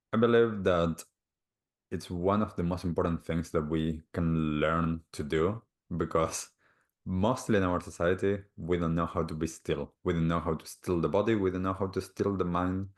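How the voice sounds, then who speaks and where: In a low, fairly even voice, an Argentine man with an Argentine Spanish accent answers interview questions calmly and reflectively as a guest healer on a video call. He talks slowly and gently, frequently repeating a word as he hunts for what comes next.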